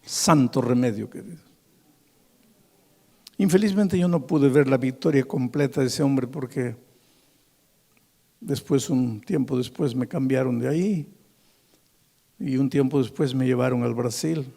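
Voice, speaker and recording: Gravelly older preacher. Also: male voice, medium pitch, unhurried, long pauses. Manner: animated, acts out dialogue, builds to loud climaxes. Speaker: pastor. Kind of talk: sermon storytelling.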